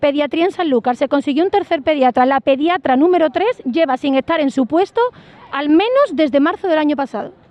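The speaker talks at a fairly quick pace with lively intonation over noticeable background noise. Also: woman. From Andalusia, Seville province. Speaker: opposition town councillor. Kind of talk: political statement in interview.

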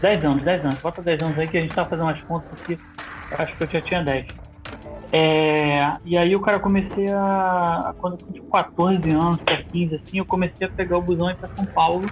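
A man with a high voice talks at a fairly quick pace, his intonation fairly even. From Rio de Janeiro, Brazil. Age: 40s. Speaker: skateboard graphic designer and skater. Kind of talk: casual interview chat.

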